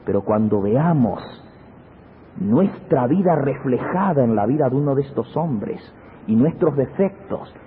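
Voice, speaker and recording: A man's voice: animated, unhurried, slight background noise. A man preaching a sermon, retelling a Bible story dramatically and calling his listeners brothers. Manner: dramatic storytelling, swinging from low hushed to high exclaiming. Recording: tinny phone-like radio broadcast with long reverb.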